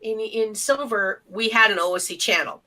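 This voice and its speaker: A woman's voice: medium pitch, moderate pace, sharp tone. A woman co-hosting a casual podcast chat, speaking bluntly and emphatically. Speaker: podcast co-host.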